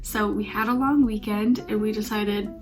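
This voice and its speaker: A woman's voice: medium pitch, fairly even intonation, moderate pace, faint music behind. A young woman from Canada with a Canadian accent, chatting casually and upbeat in a travel vlog. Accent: Canadian English. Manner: chatty, upbeat, laughs easily. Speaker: vlogger.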